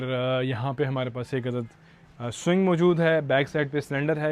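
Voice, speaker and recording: Chatty Pakistani man touring a house. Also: fairly high pitch. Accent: Pakistani Urdu. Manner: chatty, code-switching into English, addresses viewers directly. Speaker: house tour host. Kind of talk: walkthrough house tour vlog. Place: outdoors at a house.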